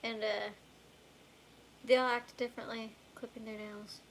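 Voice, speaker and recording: A woman's voice: fairly high pitch, flat delivery, measured pace, a little hiss or hum, rough recording. A woman chatting casually at home, dropping in everyday domestic asides.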